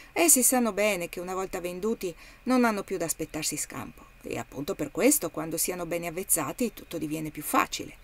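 Smooth callous slave trader guy, read by a lady, matter-of-fact, talks you into it, storybook reading. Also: lowish voice, natural voice.

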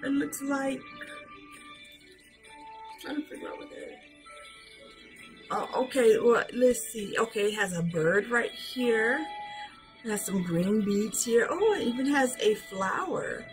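Hoarse woman slowly chatting up jewelry. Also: a little high, expressive, music in the background, rough recording. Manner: chatty, slow, showing items up close. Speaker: jewelry seller. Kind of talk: live sales show chat. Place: small decorated room indoors. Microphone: webcam at arm's length.

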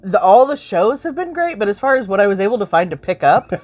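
A woman in her thirties, co-hosting a casual chat about toys in a room full of shelves, excitable and giggly. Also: medium pitch, quick pace, no echo, lo-fi sound. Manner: excitable, giggly, squeals when surprised. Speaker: co-host. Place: home collection room with shelves.

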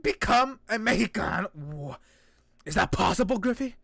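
A man's voice: high voice, lively intonation, normal speed, gravelly, fairly bright tone, no echo, clean studio sound. A young man hosting a reaction video with casual, playful, joking and exclamatory commentary. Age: young adult. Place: small indoor room.

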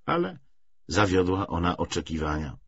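Deep, husky man narrating, lively intonation. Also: normal speed, no room sound. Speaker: audiobook narrator. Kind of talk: scripted literary narration, reading a historical novel aloud. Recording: dull, lo-fi audiobook recording.

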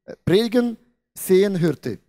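A man, preaching a sermon into a handheld mic on a large church stage and acting out a story, swinging between loud and hushed. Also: high voice, animated, unhurried. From Switzerland. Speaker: pastor.

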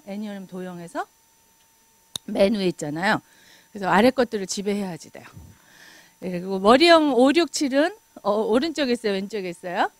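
A middle-aged woman giving a lecture in an animated way, laughing often and acting out remarks. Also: mid-range voice, a little fast, dry recording.

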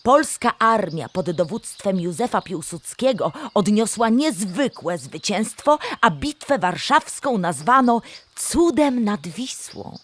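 A woman's voice: mid-range voice, very animated, slow pace. A woman playing a friendly female cartoon animal who explains history in a children's audio drama, speaking with careful enunciation. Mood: explanatory.

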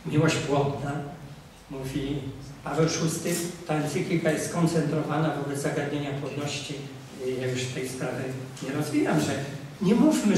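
An older man, a priest, gives a lecture on marriage at a conference table, with emphatic appeals and quiet asides. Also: on the high side. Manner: emphatic, exhorting, swings between loud appeals and quiet asides. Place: conference room, seated at a table. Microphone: table mic, camera from across the room. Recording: very echoey room, voice from a distance, faint noise.

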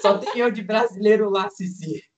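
A man's voice: high-pitched, normal speed, highs cut off. A nineteen-year-old Brazilian man, a student guest, chatting casually in an interview and rambling with lots of fillers. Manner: relaxed, rambling, many fillers like "tipo" and "assim".

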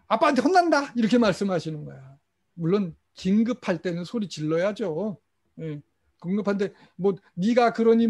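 High-voiced man giving a parenting lecture. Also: a little mellow. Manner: storytelling, mimics family members in quotes, chuckles. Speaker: lecturer at a parent training session. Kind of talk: casual lecture with acted quotes.

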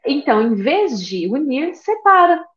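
A woman's voice: high-pitched, big pitch swings, measured pace, muffled recording. A woman giving a spiritist religious lecture online, often checking in with tag questions, repeating phrases and reading passages aloud. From Brazil. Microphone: video call.

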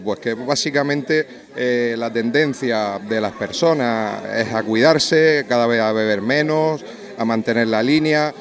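A man in his forties giving an interview at a busy restaurant event, speaking into a handheld mic with a fluent sales pitch full of "eh" fillers. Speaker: drinks company representative.

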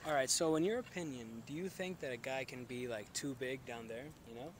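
A man's voice: mid-range voice, brisk, slight background noise. A young man hosting a casual outdoor street interview, asking rambling, filler-heavy questions into a handheld phone and laughing often. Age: young adult. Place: outdoors on a college campus. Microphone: phone held in hand.

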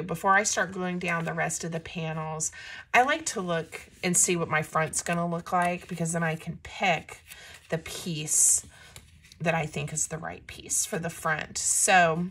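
A woman talking through a paper craft tutorial in a casual, chatty way, her voice a bit raspy from a coming cold. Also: fairly low pitch, pushed and bright, a little hiss or hum. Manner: chatty and self-deprecating, talks while working. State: slightly raspy from a starting cold. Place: crafting desk indoors, filmed from above.

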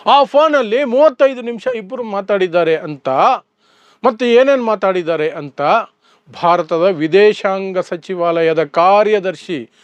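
A man's voice: high voice, a little slow, clean tone, no echo, muffled recording. A man with a Kannada accent giving a sarcastic, emphatic news commentary, explaining events point by point. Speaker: political commentator.

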